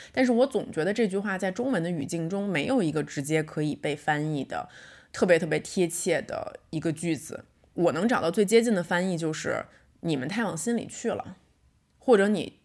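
A woman in her thirties hosting a casual solo podcast. She tells a story in a reflective way and slows down to stress her points. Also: lowish voice, a little mellow. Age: 30s. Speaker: podcast host.

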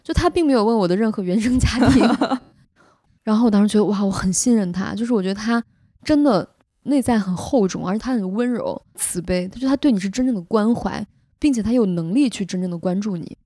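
A young woman hosts a podcast and tells a personal story in an earnest, heartfelt way. Her voice has a mellow, soft tone at a middle pitch. It sounds close and dry, with almost no room echo. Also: fairly quick. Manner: earnest, emotional retelling with vivid detail. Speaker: podcast host. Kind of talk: casual storytelling chat.

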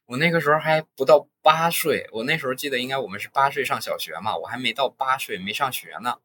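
A young man casually telling childhood stories on a podcast, halting and restarting as he goes. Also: mid-range voice. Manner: halting, many restarts, lively retelling. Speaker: podcast host. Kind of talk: casual storytelling.

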